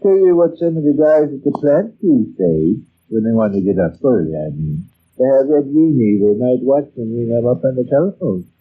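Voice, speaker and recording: An American actor playing an easygoing, teasing middle-aged husband in an old-time radio comedy, speaking with dry, mock-solemn formality. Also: male voice, medium pitch, big pitch swings, moderate pace, slightly rough. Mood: deadpan, easygoing. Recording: thin, phone-like old radio recording.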